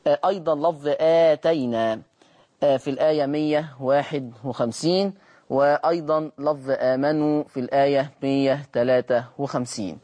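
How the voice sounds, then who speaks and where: A man teaching Quran recitation on a broadcast lesson, patiently repeating words slowly to demonstrate their sounds. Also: fairly high pitch, darkish tone. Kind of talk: televised Quran lesson, explaining Warsh reading.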